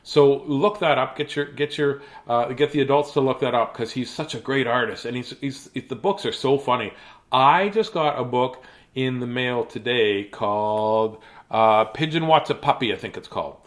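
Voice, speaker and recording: A man's voice: medium pitch, moderate pace. A man chatting casually and playfully while reading bedtime storybooks to children on a livestream.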